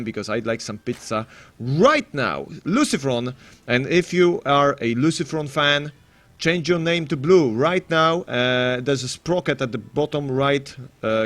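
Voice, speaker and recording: A man casts an esports match in a slightly high voice. He chats to viewers like mates, rambling into jokey banter, then slipping into playful announcer phrasing before returning to casual game commentary. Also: fairly bright tone, dry recording.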